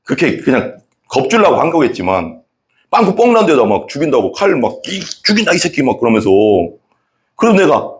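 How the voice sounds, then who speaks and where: A male pastor preaching a sermon, telling his own testimony with animated storytelling and acting out the people in it. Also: mid-range voice, fairly quick.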